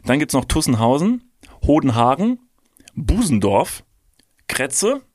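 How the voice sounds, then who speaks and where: A man's voice: medium pitch, sing-song, takes it slowly, darkish tone, dry recording, studio quality. A young man co-hosting a comedy podcast, chatting casually and joking as he lists things off. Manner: jokey, lists things, laughs at own jokes. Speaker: podcast co-host.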